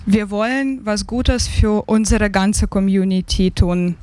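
Slow, hesitant woman from Ukraine. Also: medium pitch, dark tone, dry recording. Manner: hesitant, many fillers and restarts. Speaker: interview guest, migrant council member. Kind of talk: casual interview answers.

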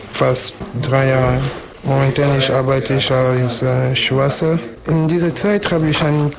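A man from Cameroon speaking measured, non-native German with pauses in an interview. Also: medium pitch, low-quality recording. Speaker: trainee applicant. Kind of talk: interview statement. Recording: crowd chatter behind.

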